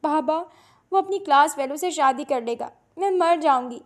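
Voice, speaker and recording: A woman's voice: very high-pitched, lively intonation, voice pushed up. A woman voicing a heartbroken young woman who screams and cries in an audio story. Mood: distraught. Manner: tearful, screaming.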